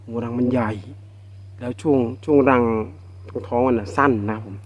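A man with a Northeastern Thai accent talks straight to his camera outdoors as he cuts wild bee nests from low branches. He exclaims often, and he speaks in an easygoing, chatty way at a middle pitch. The sound comes through a handheld camera mic. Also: moderate pace, muffled recording, a little hiss or hum. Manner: excited exclamations, addresses viewers as brothers and sisters. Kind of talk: casual narration while working outdoors. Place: outdoors in rural scrubland.

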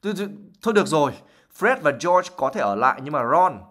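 A man reading aloud as a stern, angry mother who forbids her children something, in a raised, forceful voice. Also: on the high side, slow pace. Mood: flustered.

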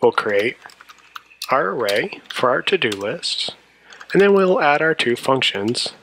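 Bright-voiced man teaching programming. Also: mid-range voice, very animated, measured pace, a little hiss or hum, low-quality recording. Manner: methodical, explanatory. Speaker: programming instructor. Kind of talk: tutorial narration over a screencast.

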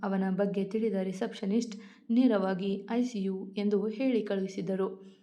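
A woman storyteller narrating her own story in an even, measured reading. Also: mid-range voice. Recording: dull lo-fi recording.

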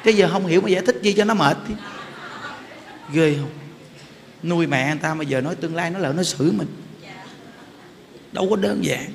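A man's voice: a little high, moderate pace, creaky, long pauses, a faint crowd. A middle-aged man, a Buddhist monk giving an informal sermon and telling stories. He keeps turning to the audience with questions. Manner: chatty storyteller, often laughs and asks the audience "hiểu không?". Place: temple hall. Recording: reverberant hall with faint background noise.

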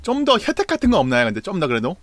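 A man's voice: sits high, huge pitch swings, racing, fairly bright tone. A young man in his twenties hosting a casual streamed talk show, playful and teasing, often laughing. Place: small bedroom, indoors.

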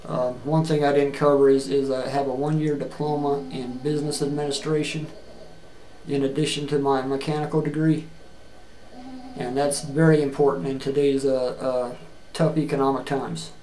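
A middle-aged man giving a plain-spoken, earnest video resume, halting often with fillers and restarts, recorded on a webcam in a small room. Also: medium pitch, level tone, warm tone, a little hiss or hum. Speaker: job seeker. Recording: echoey room with faint ambience.

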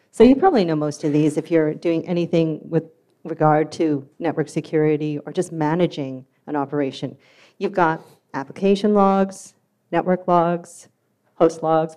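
A woman's voice: deep voice, normal speed, mellow. A woman giving an enthusiastic, upbeat conference talk in a hall. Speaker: security conference speaker.

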